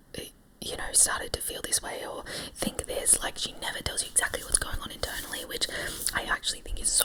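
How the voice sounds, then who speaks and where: Someone whispers at a fairly quick pace. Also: woman. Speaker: ASMR creator. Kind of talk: book review ramble. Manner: whispered, breathy.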